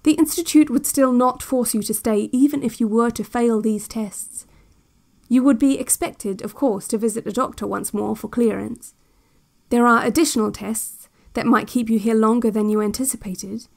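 A woman playing a calm, controlling institute narrator on a relaxation cassette, speaking in a measured and quietly menacing way. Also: a little high, vocal fry. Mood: calm, veiled menace. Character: soft-spoken, controlling female institute narrator on a relaxation tape. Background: music.

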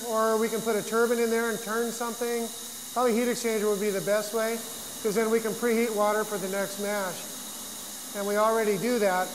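A man's voice: high voice, a little hiss or hum, poor audio. An American man giving an unscripted, practical walk-through explanation as a brewery guide. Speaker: brewery staff giving a tour. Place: on a walking tour around an industrial brewery, much of it outdoors.

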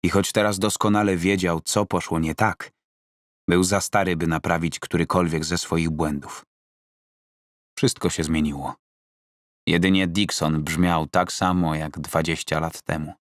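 Deep-voiced male audiobook narrator. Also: level tone, unhurried, no echo, studio quality. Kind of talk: scripted fiction narration. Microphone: close studio microphone.

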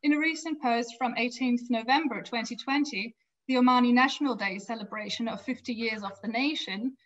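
A woman giving an academic lecture from a home office over a video call, reading prepared text in a measured way with small restarts. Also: a little high. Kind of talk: academic lecture read from slides. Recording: slightly dull lo-fi video call audio.

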